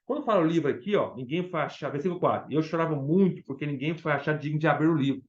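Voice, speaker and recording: Emphatic Brazilian preacher, lo-fi sound. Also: male voice, fairly high pitch, racing, a little mellow. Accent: Brazilian Portuguese. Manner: emphatic, asks the listeners questions, often says "tá?" and "ó". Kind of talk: Bible study sermon.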